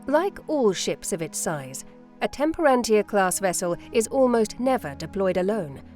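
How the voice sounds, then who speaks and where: A woman reading scripted documentary-style narration in a formal, measured manner. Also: medium pitch, very animated, a little mellow. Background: music.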